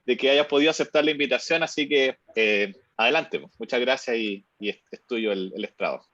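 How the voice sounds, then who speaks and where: A man's voice: mid-range voice, brisk, a bit bright, no room sound. Hesitant man hosting online. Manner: hesitant, many fillers and restarts. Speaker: host. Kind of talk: introducing a guest at an online seminar. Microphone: video call. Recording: dry, muffled video call audio.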